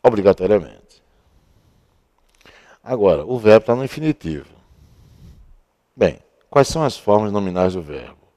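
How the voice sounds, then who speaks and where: A male teacher with a deep, mellow voice. He walks through a grammar rule step by step at a board, asking questions and then answering them himself. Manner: explains step by step, asks and answers his own questions. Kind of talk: recorded grammar lesson. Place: at a board he writes on and erases.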